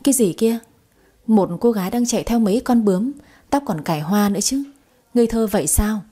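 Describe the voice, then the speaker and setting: A curious young villa owner who grumbles and gets flustered easily, as a woman reading the story puts him on. The voice stays warm and slightly breathy, close to the reader's own. It is a story read aloud. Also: medium pitch, fairly quick, close to an everyday voice.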